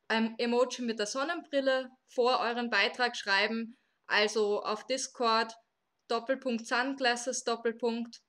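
Host in their twenties, bright voice, slightly high, steady live moderation, occasional fillers. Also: female voice. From Austria. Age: 20s. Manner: explains things at length, with fillers. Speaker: podcast host.

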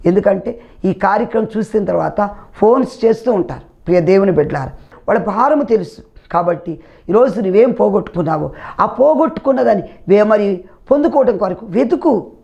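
A man's voice: sits high, animated, a little fast, vocal fry, a little mellow, lo-fi sound. A man preaching a televised sermon with fervour, often crying out hallelujah and praise the Lord.

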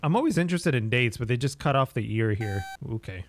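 A man's voice: mid-range voice, expressive, quick pace, a little hiss or hum. A man in his thirties giving casual, half-joking commentary as he plays a horror game. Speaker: streamer playing a horror game. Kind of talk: casual gameplay commentary and reaction.

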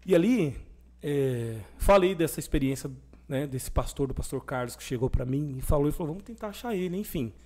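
A young adult man, a podcast guest, telling his personal faith story in animated conversation and acting out the voices of people he quotes. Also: fairly high pitch, fairly quick.

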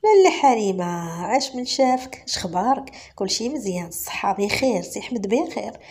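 A woman's voice: a little high, lively intonation, a little fast, darkish tone, breathy edge. A woman storyteller voicing an older midwife with a Moroccan accent, chatty and familiar. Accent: Moroccan Arabic.

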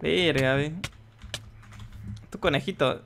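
A young man narrating his own gameplay on a desk mic, with a bright, forceful voice pitched a little high. He swears freely and bursts into shouts at the game. Faint keyboard clicks sit behind him. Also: slow pace, gravelly, slight background noise. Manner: excitable, swears a lot, yells at the game. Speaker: gaming youtuber. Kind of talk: live gameplay commentary.

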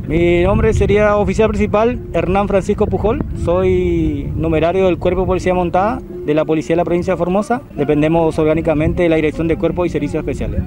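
A man's voice: sits high, fairly even intonation, quick pace, hardly any pauses. A man in his thirties with an Argentine accent, a mounted police officer giving a formal interview into a handheld mic outdoors. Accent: Argentine Spanish. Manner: formal, bureaucratic phrasing. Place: open grass field outdoors. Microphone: handheld reporter mic.

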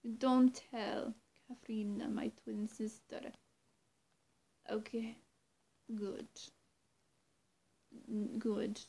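A young adult woman roleplays a menacing, two-faced female vampire addressing the listener, sweet one moment and threatening the next, coaxing yet wary. Her fairly high voice is halting, with long pauses and teasing threats that often drop to a breathy near-whisper, recorded indoors in a small room at home with poor audio.

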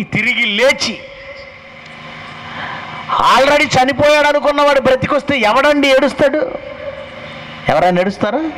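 A man's voice: very high voice, fairly bright tone, slight background noise, low-quality recording. A male pastor preaching a sermon and pressing his point with rhetorical questions. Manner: emphatic, fires rhetorical questions.

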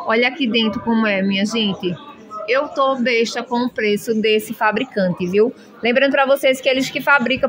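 A high-pitched woman talks in a chatty, gushing way as she shows off children's clothes in a shop. She fills her talk with warm asides to her viewers and sounds excited about every piece. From Brazil. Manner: gushing, chatty, constant "minha gente". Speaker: shopping vlogger. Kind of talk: enthusiastic product showcase. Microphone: handheld phone camera.

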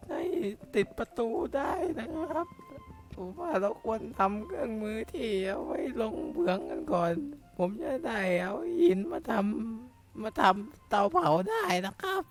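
A jumpy, excitable young game hero with a piercing, very high squeak. He talks his way through every step and blurts out yelps and curses whenever something startles him. Faint music plays underneath. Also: a little slow, vocal fry, exaggerated voice. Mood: excited. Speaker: game caster. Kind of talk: playing and narrating a block-building game in a put-on voice.

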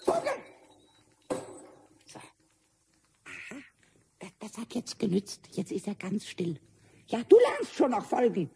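A man voicing a small, cheeky, impulsive kobold in a children's radio play, squeaky and stammering with repeated words. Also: wildly swooping pitch, slow pace, creaky, pauses often, darkish tone, heavily acted. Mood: scolding, gleeful. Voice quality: squeaky, high-pitched. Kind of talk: 1970s German children's radio play acting. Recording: noisy old vinyl radio-play recording.

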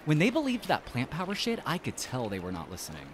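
Chatty easygoing friend, animated mid-pitched voice, audio drama dialogue, faint background ambience. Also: male voice, quick pace, a little hiss or hum. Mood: indignant. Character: easygoing, chatty male friend, quick to speculate.

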